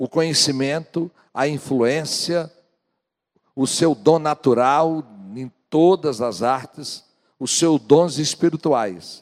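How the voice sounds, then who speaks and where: A man with a fairly high pitch speaks very slowly, using ordinary pitch variation and long, frequent pauses. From Northeast Brazil. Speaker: pastor. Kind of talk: sermon.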